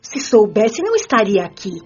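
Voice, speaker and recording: A woman's voice: medium pitch, big pitch swings, normal speed, a little mellow, husky. An actress with a Brazilian accent playing a tearful, discontented spirit woman who laments and pities herself in an audio drama. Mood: sulky, plaintive. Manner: whiny, lamenting, self-pitying. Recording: dull lo-fi audio, music behind.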